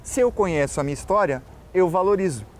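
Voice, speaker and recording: This Florianópolis man, a journalist and tour guide with a manezinho accent, talks fast and animatedly in a high voice during a casual interview. He's earnest and explanatory, calling the host by name, and there's a little hiss or hum on the recording.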